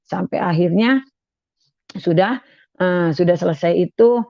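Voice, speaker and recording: Gravelly-voiced Madurese woman giving testimony. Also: fairly low pitch, a little slow, dark tone, no echo. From Madura, Indonesia. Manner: earnest, repeats phrases as she recounts. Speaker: testimony speaker. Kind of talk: personal faith testimony. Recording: dull, dry lo-fi recording.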